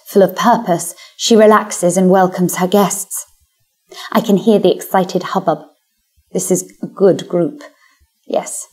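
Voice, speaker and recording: A woman's voice: medium pitch, darkish tone. British woman narrating with wry confidence. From Britain. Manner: wry, confident, self-mocking. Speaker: audiobook narrator. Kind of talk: first-person story narration.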